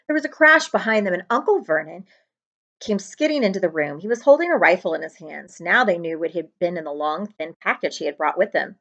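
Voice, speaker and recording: A woman reading a children's book aloud as a librarian would, in an expressive narrating style. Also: on the low side, a little fast, lo-fi sound.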